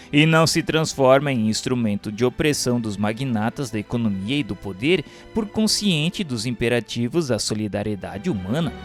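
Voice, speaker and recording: A Brazilian man reading a religious text as solemn scripted narration, in a formal, declamatory manner. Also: mid-range voice.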